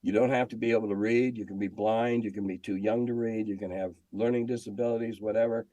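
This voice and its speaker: Older American man, very low voice. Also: steady tone, fast talker, dark tone, no room sound, dull audio. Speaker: interview guest, retired magazine editor. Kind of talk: casual chat.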